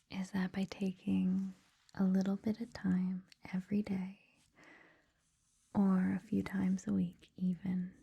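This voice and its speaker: A woman host whispering softly in an ASMR style, gentle, reassuring and informal as she speaks to her listeners. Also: mid-range voice. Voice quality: soft breathy whisper. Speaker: ASMR host introducing a meditation series.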